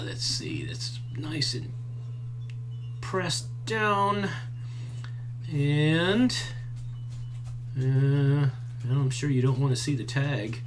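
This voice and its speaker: A man in his fifties walks through a craft tutorial at an unhurried pace, talking casually with frequent fillers. His voice sits at an ordinary pitch. A faint hum runs underneath the recording. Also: vocal fry. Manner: relaxed and chatty, many fillers. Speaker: maker teaching a craft. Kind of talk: hands-on tutorial. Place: indoors at a workbench, later outdoors by a farm fence.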